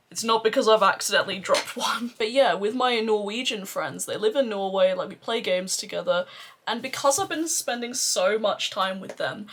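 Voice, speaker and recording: Husky voiced woman doing a makeup vlog, chatty n playful, kinda sweary, rambles along. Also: medium pitch, a bit bright. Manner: playful, sweary, self-deprecating. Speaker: beauty vlogger doing a makeup tutorial. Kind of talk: casual rambling chat to camera.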